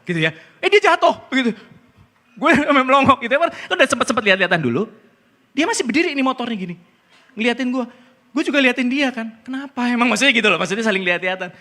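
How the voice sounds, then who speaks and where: Middle-aged guy preaching, pitch jumps all over, joking and chatty. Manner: chatty, animated, laughs at own story, slangy. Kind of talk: casual sermon with storytelling. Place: church.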